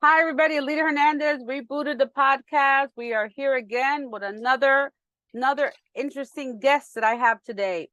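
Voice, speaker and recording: A woman hosting a podcast, chatty and quick to laugh, stumbling over words now and then. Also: high voice, fairly even intonation, fairly bright tone, dry recording, dull audio. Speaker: podcast host. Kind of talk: casual interview talk.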